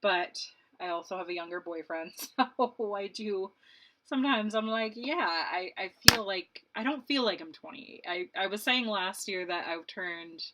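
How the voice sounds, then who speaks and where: A woman's voice: medium pitch, unhurried, bright, forceful tone, a little hiss or hum, low-quality recording. A woman in her late twenties, a beauty vlogger chatting casually and rambling while she does her makeup, laughing often. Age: 20s.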